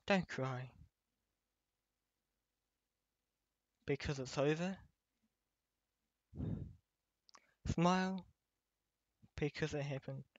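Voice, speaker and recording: Man voicing a slow, gentle teddy bear. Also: fairly high pitch, dry recording, dull audio, natural voice. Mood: warm. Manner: slow, tender, with frequent pauses. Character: gentle, nostalgic childhood teddy bear, loving and wistful. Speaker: voice actor. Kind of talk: ASMR roleplay addressed to listener.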